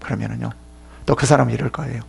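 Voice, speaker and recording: A man's voice: medium pitch, steady tone, racing, vocal fry, husky. A man pastor giving an emphatic sermon at a church seminar, addressing listeners sharply and sometimes dropping into a whisper.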